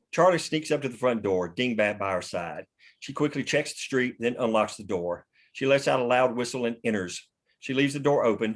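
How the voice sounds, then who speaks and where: A man serves as narrator at a table read. He reads scene headings and action lines as scripted narration, in a lowish voice. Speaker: narrator reading stage directions.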